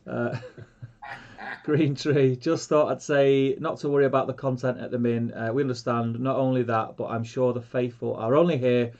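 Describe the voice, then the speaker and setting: A man's voice: medium pitch, level tone, normal speed, a little mellow, lo-fi sound. A man who sounds stuffed up with a cold, co-hosting a casual livestream and often restarting his sentences. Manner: hesitant, many restarts. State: congested, bunged up. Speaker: co-host.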